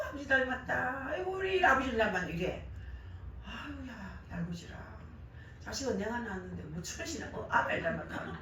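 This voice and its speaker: Older female preacher, Gyeongsang Korean accent, hoarse but bright and forceful, heard in a very echoey church hall. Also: a little high, recorded from a distance, slight background noise. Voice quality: worn, hoarse voice damaged by years of crying out in prayer. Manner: animated storytelling, acting out quoted remarks. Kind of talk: sermon with personal anecdotes. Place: church service, roomy indoor hall.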